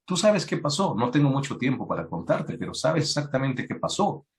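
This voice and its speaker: Man preaching an animated sermon. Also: fairly quick. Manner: acts out biblical voices, rises in pitch when emphatic. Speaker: youth preacher.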